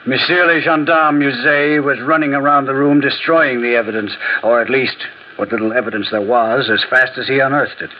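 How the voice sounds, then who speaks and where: Casting: man as a sardonic detective narrator, mid-pitch, lo-fi radio with faint hiss. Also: lightly acted. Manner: dry, ironic. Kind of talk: radio play narration and acting.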